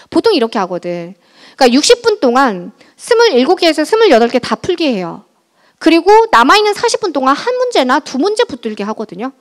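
High, lively woman math teacher. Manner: chatty, keeps checking in with the audience. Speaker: math teacher giving an exam-prep talk. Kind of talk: lively lecture to high school students. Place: large high school auditorium.

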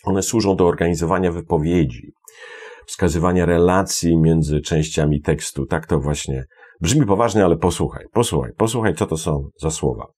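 Very deep husky male teacher. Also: normal speed. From Poland. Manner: lively, repeats words, explains with many fillers. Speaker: English teacher. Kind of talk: online language lesson explaining phrases.

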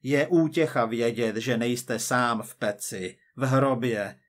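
A man voicing a cold, persistent male agent from the future, measured and quietly menacing. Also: mid-range voice, lightly acted.

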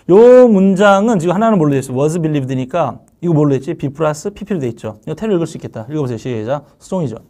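A man with a fairly high voice leads a live English grammar lecture for exam candidates. He keeps firing short questions at the class and counts them in to answer in chorus, working through points step by step. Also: darkish tone. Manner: drilling students with call-and-response questions.

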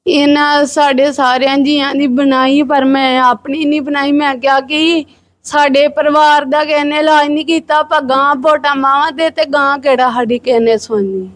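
A woman's voice: high-pitched, steady tone, moderate pace. A woman being interviewed, complaining that no one helps her family and pleading for support.

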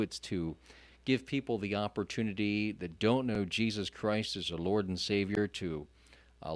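A man's voice: on the low side, no room sound. A man hosting a Christian radio interview program, earnest and rambling, with frequent restarts. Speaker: radio show host. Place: radio studio.

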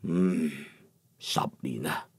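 Man voicing an elderly male craftsman, Cantonese accent, much lower voice, slow, flat and placid, audiobook character. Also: vocal fry, husky, dry recording, clean studio sound, full character voice. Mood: calm, measured. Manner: flat, unhurried, placid delivery.

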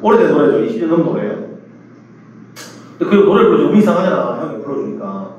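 A man's voice: fairly high pitch, sing-song, fast talker, a little mellow, lo-fi sound, slight background noise. A middle-aged male pastor preaching to a youth retreat, telling a story animatedly and mimicking the voices of others. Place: large church hall. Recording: echoey hall from far off.

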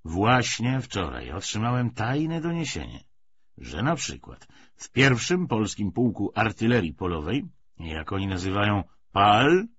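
A man's voice: fairly low pitch, fairly bright tone, husky, heavily acted. A man reading an audiobook, voicing a weary, cynical, persuasive Bolshevik official with emphatic, hesitating, rhetorical speech. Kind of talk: dramatised audiobook dialogue. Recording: dull lo-fi audio, faint noise.

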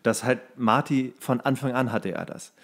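A man's voice: mid-range voice, steady tone. Rambling man in casual podcast chat. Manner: rambling, halting, searching for words. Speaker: podcast host.

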